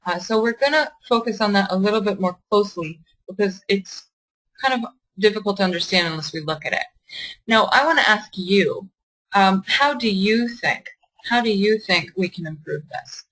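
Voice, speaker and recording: A woman's voice: medium pitch, normal speed, fairly bright tone, rough recording. A young adult woman tutoring a test prep class online, asking the class questions and reading out their answers with encouragement.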